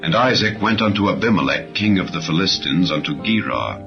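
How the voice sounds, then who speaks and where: A man with a very deep voice narrates scripture for an audiobook. His delivery is solemn and measured, each phrase settling downward at its close. The sound is a little muffled, with music clearly playing underneath. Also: lively intonation. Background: background music.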